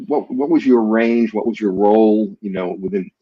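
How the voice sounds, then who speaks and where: A man hosting an interview, asking questions in halting, restarting phrases. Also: lowish voice, no room sound, dull audio. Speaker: interviewer host.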